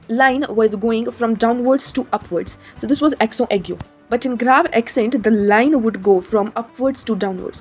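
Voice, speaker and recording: A woman's voice: on the high side, darkish tone, breathy edge. A young woman teaching a French lesson, explaining step by step and asking how so.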